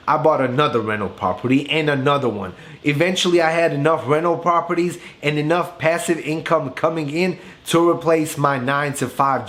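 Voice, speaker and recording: A young man from Bosnia hosting a finance channel, talking straight to the camera in an earnest, motivational monologue that slows down to stress key points. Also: on the high side. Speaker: finance YouTube host.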